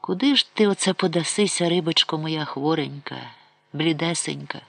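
Kind young village girl, tender, fussing, high voice, man voicing her. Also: moderate pace, gravelly, pushed and bright, no echo.

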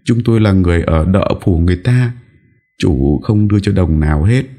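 A man's voice: deep voice, expressive, fairly quick, warm tone, pitched above the performer's own voice. A man voicing a poor young mother who begs tearfully for help for her burned child. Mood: pleading. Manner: pleading, tearful.

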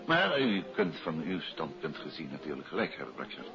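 An actor playing a suave, courteous detective and teasing husband in a 1950s Dutch radio play. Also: male voice, rumbling low, very animated, brisk, exaggerated voice. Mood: probing, measured. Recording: dull old radio recording, music behind.

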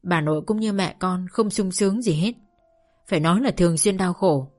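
A woman reading an audiobook, voicing an older father who speaks softly and sadly to his daughter. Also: lowish voice, moderate pace, faint music behind, lightly acted. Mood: sorrowful. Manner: soft, pleading, sighing. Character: gentle sorrowful father, older man.

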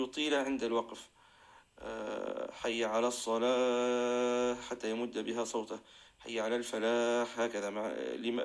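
A man teaching Islamic jurisprudence as a sheikh, explaining a verse text and chanting the phrases of the call to prayer, with frequent drawn-out fillers. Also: medium pitch, gravelly.

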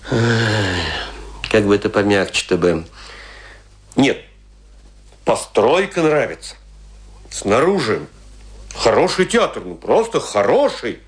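An actor playing a boastful, scornful provincial tragedian in a radio play, telling his tales theatrically with emphatic, pointed pauses. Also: lowish voice. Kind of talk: dramatic radio play monologue.

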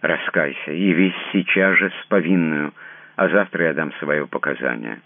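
A man's voice: a bass voice, steady tone, a little fast, no echo. A man voicing a desperate imprisoned princess. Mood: resolute. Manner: emotional, rising to near shouts. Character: young princess, prisoner, pleading and devout. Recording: tinny narrow-band radio sound, dry.

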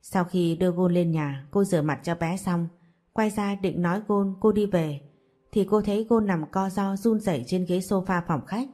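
A woman narrating a scripted story in an even, steady reading voice. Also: lowish voice, normal speed.

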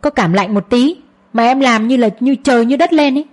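A woman's voice: medium pitch, brisk, darkish tone, natural voice. A woman voicing a curt, dismissive young husband in a narrated story.

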